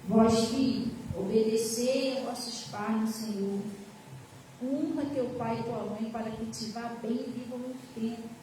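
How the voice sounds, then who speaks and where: A woman's voice: a little high, fairly even intonation, unhurried, dark tone. A woman pastor preaching a sermon, telling a story emphatically and turning to the congregation. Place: church hall. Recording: echoey hall from far off, faint noise.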